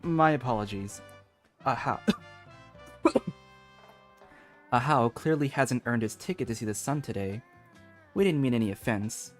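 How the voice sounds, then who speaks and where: A man acts a cool young game hero with a medium-pitched voice. He is deadpan and measured, with blunt, dry phrasing. Faint music plays behind him. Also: close to an everyday voice. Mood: calm, dry. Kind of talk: video game character acting.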